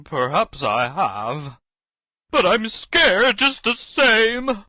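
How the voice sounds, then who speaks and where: A man's voice: medium pitch, expressive, measured pace, pushed and bright, dry recording, clean studio sound, full character voice. A man voicing a big, timid male lion in a dramatized audiobook reading, speaking in an anxious, fretful way.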